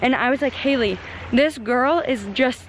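A woman's voice: sits high, normal speed, low-quality recording. A woman in her early twenties with an American accent, chatting casually and bubbly as a vlogger, often saying "like". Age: early 20s. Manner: bubbly, informal, frequent "like". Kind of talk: casual chatty vlog with a friend. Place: open lakeside beach, outdoors. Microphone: camera held at arm's length. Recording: very windy outdoor handheld camera audio.

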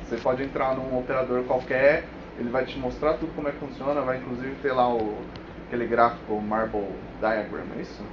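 A man's voice: mid-range voice, steady tone, fairly quick. A Brazilian Portuguese-speaking man with a Brazilian accent gives an informal technical talk as a developer, colloquial and often checking in with his listeners. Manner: colloquial, frequent check-in tags. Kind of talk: informal tech presentation with live demo. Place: indoor meetup room with whiteboard. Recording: echoey room, dull sound, clear noise.

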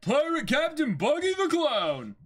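A man voicing an eager, loud pirate underling in an exaggerated shouting manner. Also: extremely high pitch, wildly swooping pitch, measured pace, pitched above the performer's own voice, exaggerated voice. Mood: eager, excited.

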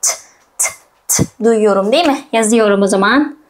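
With a medium-pitched voice at normal speed, a female teacher leads a slow phonics reading lesson for first graders, and a little hiss or hum can be heard. She breaks words into syllables, repeats them often, and speaks straight to the child with gentle, patient encouragement.

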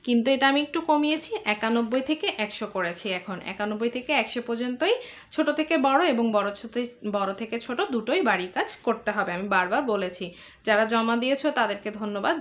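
Young female kindergarten teacher, somewhat high voice, patient, spells out numbers slowly. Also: a bit bright. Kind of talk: online class lesson.

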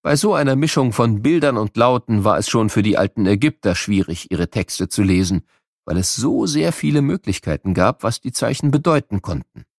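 A man reading scripted educational narration for children, explaining things like a storyteller with clear enunciation. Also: lowish voice, animated, normal speed, dry recording, clean studio sound.

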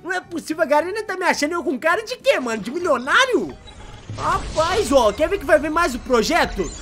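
A young Brazilian man with a Brazilian Portuguese accent narrates his game spins in an excitable, exasperated rush of slang. His voice sits high and bounces with lively swings, slightly hoarse from yelling, while faint game music plays underneath. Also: fairly quick. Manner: exasperated, exclaims often, heavy slang. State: voice going hoarse. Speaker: gaming YouTuber. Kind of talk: excited gameplay commentary.

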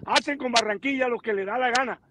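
A man's voice: extremely high pitch, quick pace, heavy background noise. A man on a video call panel, provocative and combative. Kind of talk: heated talk show commentary.

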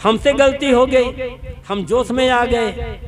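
Guy with a high voice giving an earnest sermon, repeats stuff for emphasis, crowd noise behind. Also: slow pace. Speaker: spiritual teacher giving a discourse. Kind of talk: devotional sermon. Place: religious assembly.

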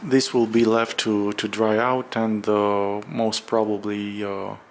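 A man narrating a casual walk-through vlog in a halting, hesitant way with drawn-out pauses, recorded indoors on a handheld camera. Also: fairly low pitch, level tone, a little hiss or hum. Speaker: vlogger. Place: bare room under renovation, indoors, windows open.

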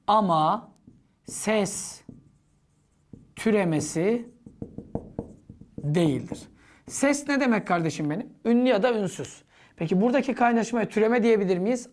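A woman teaches an exam-prep grammar lesson with a very lively, swooping voice that rises and falls constantly. She poses questions to herself and answers them, mixing instruction with playful classroom banter. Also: medium pitch.

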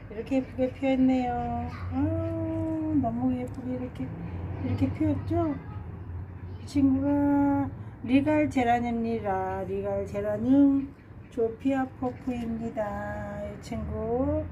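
A woman strolls through her balcony garden, naming each geranium slowly and sighing over how pretty they are. Her voice sits a little high but sounds mellow, and she talks at a very unhurried pace. A faint hiss of background noise runs under the phone recording. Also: dull audio. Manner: slow, fond, repeats flower names and sighs of delight. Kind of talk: casual garden tour narration. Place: home balcony with plants.

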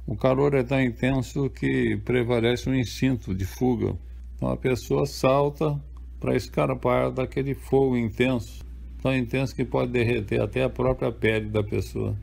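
An older Brazilian man speaks in a calm, explanatory way with a gravelly, creaky edge to his voice. His pitch sits in an ordinary middle range for a man, and he answers questions as an author. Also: normal speed. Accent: Brazilian Portuguese. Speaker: author interviewed. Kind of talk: measured spoken answers.

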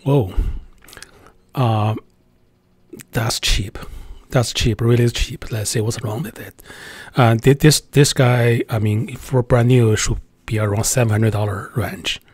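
Man, casual voice-over tutorial, chatty and hesitant, dry close sound, mid-pitched voice. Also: fairly even intonation, a little slow, a little mellow, breathy edge, no echo. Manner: chatty and hesitant, many filler "uh"s. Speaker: tech channel host.

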